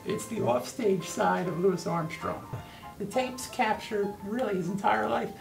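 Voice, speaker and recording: Male archivist, thirties, eager storyteller with a gravelly creak, slightly distant mic, music underneath. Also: sits high, measured pace. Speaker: archivist and guide. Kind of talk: enthusiastic storytelling interview.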